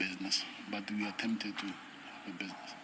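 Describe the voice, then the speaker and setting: A soft-spoken man talks at a moderate pace. Noticeable background noise is present. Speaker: witness, security company owner. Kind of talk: testimony. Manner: reading aloud statement. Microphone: too quiet, far from mic.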